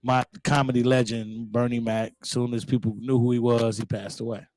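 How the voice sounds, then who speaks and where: A man's voice: mid-range voice, level tone, moderate pace, no room sound, rough recording. Joking man radio co-host, dry sound. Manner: joking, playful, loud bursts. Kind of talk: casual on-air banter. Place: radio studio. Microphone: studio mic.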